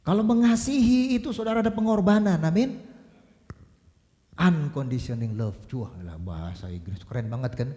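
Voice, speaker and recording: Lively, teasing preacher man in an echoing hall. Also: fairly high pitch, normal speed. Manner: playful, teasing, slangy, often laughing. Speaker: pastor. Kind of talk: lively, joking sermon with congregation banter. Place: large church hall. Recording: church hall with long reverb.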